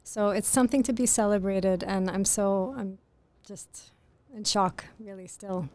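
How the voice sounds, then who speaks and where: Soft-spoken woman author, podcast guest, earnest and articulate, mid pitch. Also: fairly even intonation, a little slow, dry recording. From grew up in Greece. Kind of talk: podcast interview.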